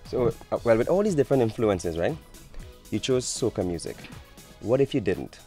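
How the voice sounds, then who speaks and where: A man interviewing a singer, asking questions in a smooth, measured, complimentary way. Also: on the low side, big pitch swings, mellow, soft background music.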